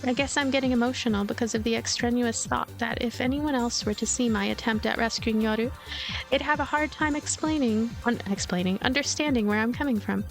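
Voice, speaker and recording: A woman's voice: a little high, fairly quick. A woman reading a game's story expressively as a let's play host, with casual commentary. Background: game music.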